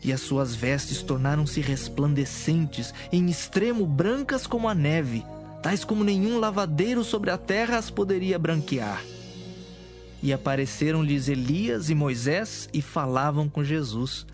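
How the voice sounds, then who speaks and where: A man narrating scripture from a script in a measured, solemn manner. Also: a little high, expressive. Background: music.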